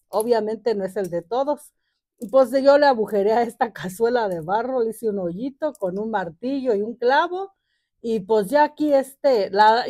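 A woman's voice: mid-range voice, darkish tone, no room sound. An older woman, hosting a casual gardening vlog, chatty and joking, with many fillers and a fond tone toward her plants. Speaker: gardening channel host. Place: home garden outdoors.

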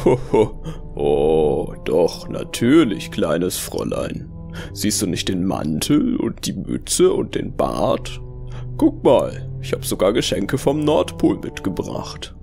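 A man acts out a jolly department-style Santa Claus for an audio drama. His voice dips low and gravelly as he genially addresses children. Music plays behind him. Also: very animated, slow, mellow, exaggerated voice. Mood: insistent, patronizing.

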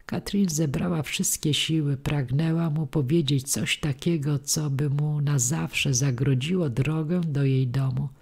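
A woman narrating a classic novel as an audiobook in a measured, literary manner, with a husky voice. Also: deep voice, fairly even intonation, a little mellow.

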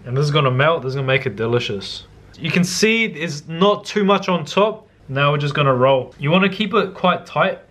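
Higher-voiced young New man, laid-back. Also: lively intonation, normal speed, a bit bright. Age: young adult. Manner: laid-back, slangy instruction. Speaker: cooking vlogger. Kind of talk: casual cooking demonstration. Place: home kitchen, indoors.

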